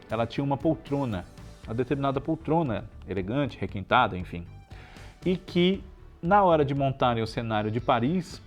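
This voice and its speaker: A Brazilian man presenting in a conversational, chatty way, telling biographical stories and often adding little checking tags. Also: mid-range voice. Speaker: presenter of a show on television history.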